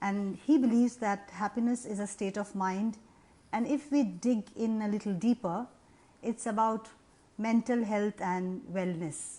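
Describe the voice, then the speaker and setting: Somewhat breathy and fairly high in pitch, a woman speaks with a Bengali accent. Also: ordinary pitch variation, fairly slow pace. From India, Bengali. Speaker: singer and former radio jockey. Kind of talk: live stream talk. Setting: Facebook Live video stream. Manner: hesitant, many fillers.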